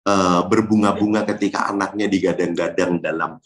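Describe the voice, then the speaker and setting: A man's voice: deep voice, fairly even intonation, normal speed, a bit bright. A man from Indonesia, a Catholic priest, joking in a devotional chat and reciting rhyming verses. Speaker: Catholic priest, guest speaker. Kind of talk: relaxed devotional chat with rhymes and a hymn.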